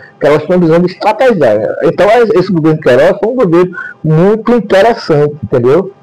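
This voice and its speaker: A man speaks at a fairly quick pace in a high pitch, with very wide pitch swings and hardly any pauses. His loudness stays very even while noticeable background noise runs underneath. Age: 60s. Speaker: political commentator. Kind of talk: interview. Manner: halting, many repetitions.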